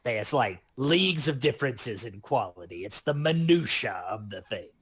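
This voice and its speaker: Man playing a goblin demolitionist, husky rasp, medium pitch, crazy, reckless, flippant, chatty, tabletop roleplay character. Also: expressive, normal speed, fairly bright tone. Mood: cocky, expert. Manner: flippant, chatty, mock-fussy about explosions.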